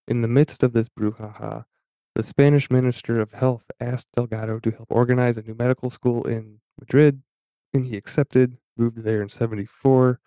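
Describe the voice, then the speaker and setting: Halting man with a flat, dark voice. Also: medium pitch, clean tone, no echo. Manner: halting, many fillers and restarts. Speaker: podcast host. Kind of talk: casual talk reading aloud from an article.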